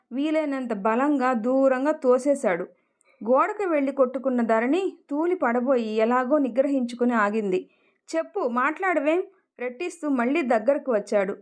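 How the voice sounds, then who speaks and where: Woman, storyteller, expressive, emotional narration, high voice.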